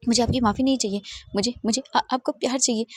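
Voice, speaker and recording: A woman's voice: on the high side, steady tone, quick pace, husky, no echo. A woman voicing a tearful young woman who has just woken from a coma, stammering as she pleads. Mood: tender pleading.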